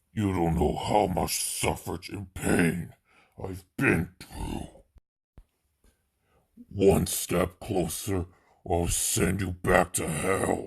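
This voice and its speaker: In a put-on character voice, a man speaks very slowly at a very deep, low pitch, with long, frequent pauses. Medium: voice reel. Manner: menacing.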